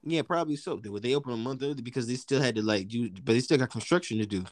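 A young man with a deep voice chatting casually with a friend, full of slang, restarts and laughter. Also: no echo. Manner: loose slangy talk, quick laughs, rambling restarts. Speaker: co-host of a casual chat. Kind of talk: casual chat between friends.

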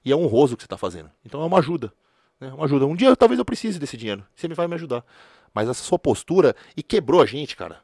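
A man's voice: fairly high pitch, big pitch swings, racing, a little mellow, no echo, studio quality. A man, a former police officer telling stories in a slangy, casual conversation. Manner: storytelling, slangy, repeats filler words.

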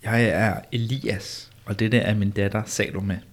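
A man reading the part of the old prophet Elijah in a measured, insistent way, during an amateur read-through. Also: lowish voice, little pitch movement. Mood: solemn. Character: old male prophet Elijah, calm and solemn.

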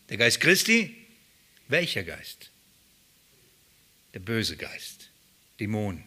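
A man's voice: medium pitch, sharp tone. A man preaching an expository sermon, asking rhetorical questions and pressing his points with emphatic, searching delivery.

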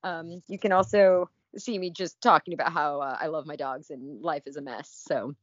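A woman's voice: sits low, normal speed, dry recording, highs cut off. A chatty woman guest on a podcast who laughs often, in casual chat.

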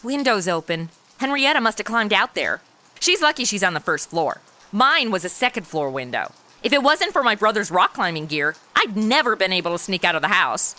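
A woman's voice: medium pitch, big pitch swings, brisk, pushed and bright. A woman playing a brash, flippant twenty-something amateur detective in a comedy audio drama, with sassy, slangy delivery. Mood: wry. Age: 20s. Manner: sassy, slangy, self-absorbed wisecracking. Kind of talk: comedy audio drama acting with wry narration.

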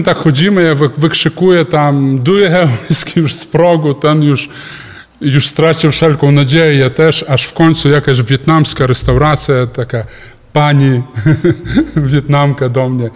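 A man's voice: a little high, a little slow, in a large hall. A male pastor giving a sermon, telling a personal story in a chatty way, with restarts and chuckles. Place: church service hall.

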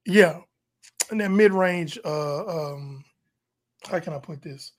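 A man from Texas, in the United States, co-hosts a podcast, chatting casually and offering slangy, opinionated takes on sports. His voice is fairly high and he speaks slowly.

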